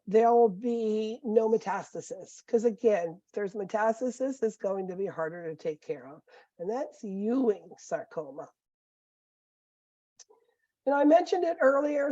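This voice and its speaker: A middle-aged nursing professor with a squeaky voice, giving a conversational recorded lecture full of fillers and asides. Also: female voice, mellow, dry recording. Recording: dull, muffled lecture recording.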